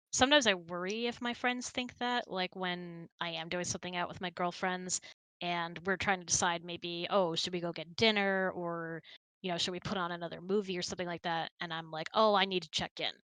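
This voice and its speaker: A woman's voice: on the low side, fairly even intonation, moderate pace, fairly bright tone, clear, resonant tone, no room sound, low-quality recording. A woman chatting casually and candidly as host of an online hangout, often dropping "like" into her sentences. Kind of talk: casual chat with spouse.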